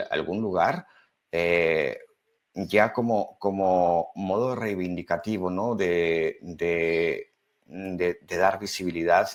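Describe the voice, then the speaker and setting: This man's speech moves very slowly. Nothing can be heard behind him, and the recording is very clean. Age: 40s. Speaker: talk show host. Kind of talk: interview. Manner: halting, many fillers and repetitions.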